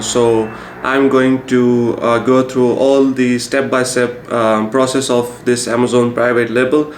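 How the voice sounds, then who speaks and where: A man with a Pakistani accent talks casually to the camera as a video host, in a halting way with repeated words. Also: mid-range voice. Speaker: YouTube host and Amazon business instructor. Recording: echoey room with faint noise.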